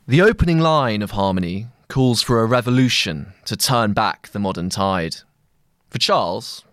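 A man with a mid-range voice reads a long-form journalistic essay. His phrasing is measured and deliberate, as scripted narration. The sound is dry, with little trace of the room. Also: mid-range voice, fairly bright tone, no echo. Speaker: journalist narrating own long-read article.

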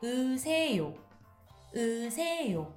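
A woman's voice: fairly high pitch, big pitch swings, echoey room, faint music behind. A woman whose first language is Korean, co-hosting a lesson and saying each word twice for learners. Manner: repeats Korean words slowly twice. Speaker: podcast co-host, native Korean speaker.

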